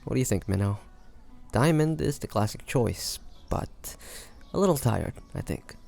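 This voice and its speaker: A man playing a roguish, protective pirate captain in a scripted audio roleplay, talking teasingly and intimately to the listener in a gravelly voice. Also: mid-range voice, lively intonation, moderate pace, a little mellow. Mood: teasing, indulgent. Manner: teasing, smooth-talking, intimate pet names. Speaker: voice actor.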